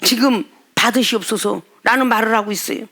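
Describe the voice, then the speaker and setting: A woman pastor preaching a sermon with fervor, moving from quiet asides to crying shouts and firing off scolding rhetorical questions. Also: a little high, a little fast.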